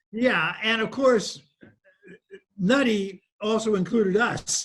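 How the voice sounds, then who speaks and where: Here a man with an American accent talks at a very slow pace. His voice is high, with fairly even intonation. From United States. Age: 80s+. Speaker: boxing commentator. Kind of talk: casual chat.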